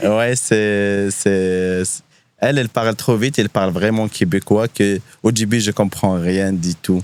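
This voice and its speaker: With a dry, close sound and no echo, a man speaks at a fairly slow pace in a fairly low pitch with fairly even intonation. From Morocco, village near Marrakech. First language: Berber (Amazigh) (speaking French). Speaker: immigrant newcomer. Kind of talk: interview. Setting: outdoors. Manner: halting.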